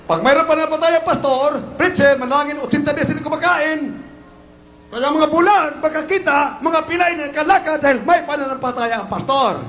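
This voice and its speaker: A Filipino man preaching a fiery sermon with a very high voice, bursting now and then into shouts. He is heard in an echoey hall with faint noise behind. He is the pastor at the pulpit. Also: brisk. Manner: preaching with sudden shouted exclamations.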